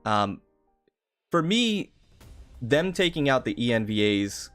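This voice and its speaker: A man's voice: mid-range voice, big pitch swings, takes it slowly, a bit bright, no echo, soft background music. A man hosting a casual livestream discussion, speaking steadily and agreeably, asking his guest questions. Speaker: livestream host.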